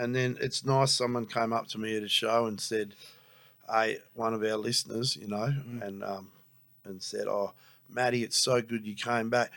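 Monotone, flat intonation from a man with an Australian accent, at medium pitch and a moderate pace. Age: 50s. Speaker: rapper. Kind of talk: casual chat. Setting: studio.

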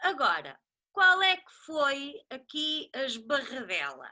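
In a raised, projected voice, a woman speaks with lively intonation and a bright, sharp tone. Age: 30s. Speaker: book blogger. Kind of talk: casual chat. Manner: halting.

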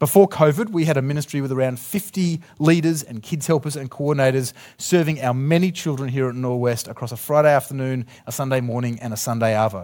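Speaking with an Australian accent, a man races along at a very fast pace with hardly any pauses. His tone is dark and mellow. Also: medium pitch for a man, ordinary pitch variation. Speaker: pastor. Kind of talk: sermon. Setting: church.

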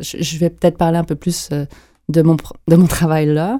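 Dry and close with no echo, the recording carries a woman's dark, mellow tone at a fairly low pitch and a moderate pace. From Montreal, Quebec. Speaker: art therapist and researcher. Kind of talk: radio interview.

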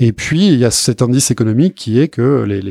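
On a very clean recording with a silent background, a man speaks at medium pitch with lively intonation, the sound dry and close with no echo. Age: 40s. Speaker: journalist and think tank director. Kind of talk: interview. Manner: halting, frequent repetitions.

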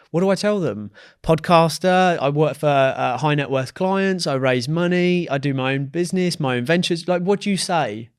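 A man with a British accent talks at a fairly high pitch and moderate pace. The recording is very clean, the background silent. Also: ordinary pitch variation. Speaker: podcast host. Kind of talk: interview.

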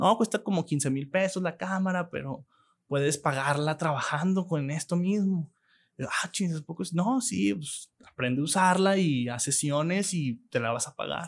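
In a Mexican accent, a man with a fairly high pitch talks at a fairly slow pace with lively intonation, recorded very cleanly with a silent background. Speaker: content creator and producer. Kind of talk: casual interview.

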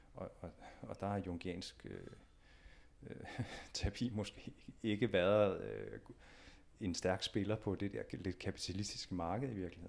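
A man speaks at a fairly low pitch with vocal fry and fairly even intonation, leaving long, frequent pauses. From Denmark, rural. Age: 40s. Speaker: psychologist. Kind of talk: casual chat. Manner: halting, many fillers.

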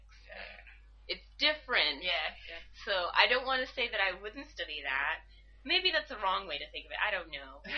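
A fairly high-pitched woman with an American accent, very wide pitch swings and big swings in loudness, at a moderate pace over noticeable background noise. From US Northeast, Long Island, New York. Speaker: master's student. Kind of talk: casual interview.

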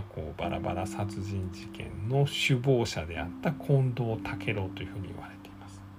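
Noticeable background noise and audible room echo around a man's voice. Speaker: true crime podcaster. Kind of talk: casual solo narration. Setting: home recording in own room. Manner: filler-heavy, hesitant.

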